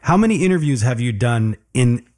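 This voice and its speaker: A man hosting a classical music show, interviewing a young performer in a gentle, encouraging and patient way. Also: medium pitch, lively intonation, fairly quick.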